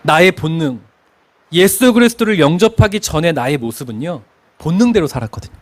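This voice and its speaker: A man's voice: a little high, brisk. A middle-aged man from Korea's Chungcheong region preaching a sermon, telling stories and laughing as he goes. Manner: expressive preaching, sings hymn lines, laughs while telling stories. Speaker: pastor.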